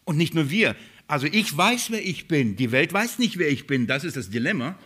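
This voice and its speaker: Guy giving a sermon, voice on the high side, keeps hitting words hard then going soft, talks right to the congregation. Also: sing-song, normal speed, slightly rough. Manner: emphatic, rhetorical questions, swings between loud stresses and quiet drops; addresses the listeners directly as beloved. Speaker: preacher. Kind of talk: sermon on a Bible letter.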